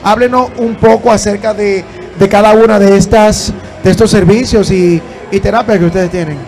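A man in his thirties hosting a TV interview at a trade fair, upbeat and quick with his questions on a handheld mic. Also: sits high, steady tone, darkish tone. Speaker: TV show host. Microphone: handheld microphone.

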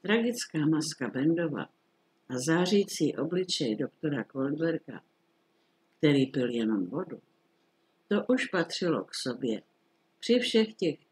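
Husky-voiced man reading a classic story. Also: fairly high pitch, darkish tone, poor audio. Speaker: audiobook reader. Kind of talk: literary storytelling.

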